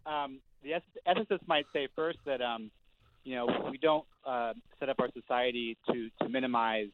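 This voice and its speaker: A man's voice: mid-range voice, normal speed. A male reporter speaking as a guest in a panel discussion, hesitant with many fillers and restarts. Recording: tinny phone line with clear noise.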